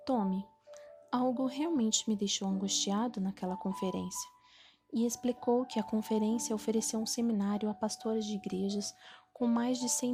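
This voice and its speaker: A woman with a Brazilian Portuguese accent reading a Christian devotional audiobook in an earnest, steady way. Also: on the high side. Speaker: audiobook narrator. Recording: reading over clear background music. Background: music.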